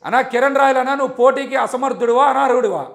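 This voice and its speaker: A man's voice: very high-pitched, rapid-fire, gravelly. A man in a heated political debate, combative and insistent, repeating his challenges over and over. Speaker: political party leader as debate guest.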